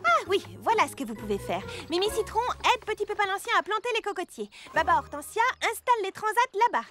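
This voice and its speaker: A woman's voice: very high-pitched, sing-song, quick pace. A woman voicing a bossy, perfectionist girl in a children's cartoon, fussy and dramatic. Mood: brisk, directing. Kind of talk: children's cartoon dub acting. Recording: music behind the voice.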